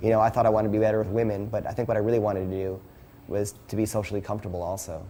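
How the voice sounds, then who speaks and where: Soft-spoken and very fast, a man talks in a monotone, flat way at a fairly low pitch with a dark, mellow tone. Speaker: dating coach. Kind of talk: workshop instruction.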